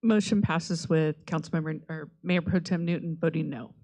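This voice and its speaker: A woman's voice: low voice, steady tone, normal speed, a little mellow. A woman acting as meeting clerk, announcing votes and public comment status in short procedural lines.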